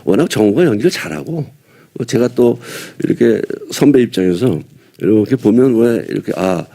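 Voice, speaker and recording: An older veteran actor from Seoul, South Korea, chats casually at a press conference, rambling and poking fun at himself with little chuckles between thoughts. His voice is medium-pitched, gravelly and warm, with lively intonation at a moderate pace.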